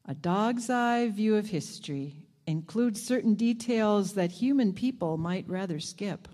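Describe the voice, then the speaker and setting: A woman reading aloud as a clever, proud old male dog, in a plain, unhurried storytelling voice. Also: medium pitch, expressive, dark tone. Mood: wry.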